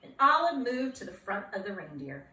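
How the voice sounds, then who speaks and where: A woman reading a children's picture book aloud in a playful, expressive way, asking her young listeners questions. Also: medium pitch, normal speed, reverberant, recorded from a distance.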